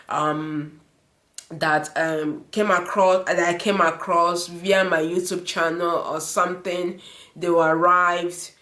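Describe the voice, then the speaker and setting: A woman's voice: fairly low pitch, fairly bright tone, reverberant. A woman vlogger giving earnest immigration advice, repeating points, with many fillers and a first language other than English. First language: not English. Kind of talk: advice vlog to the camera.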